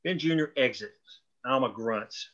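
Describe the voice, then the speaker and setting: A man's voice: mid-range voice, a little slow, fairly bright tone. A man narrating screenplay stage directions in a scripted read, on dull lo-fi audio.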